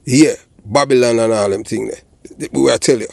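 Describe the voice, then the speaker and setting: A man's voice: medium pitch, normal speed, vocal fry, a little mellow, no echo. An older man with a Jamaican accent giving blunt, emphatic political commentary as a channel host, often checking that listeners follow. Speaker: channel host and commentator, former police officer.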